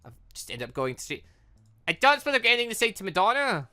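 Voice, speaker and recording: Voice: medium pitch, sing-song, fast talker, pushed and bright. A British let's play host giving casual commentary on a game, rambling and thinking aloud. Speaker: gaming video host.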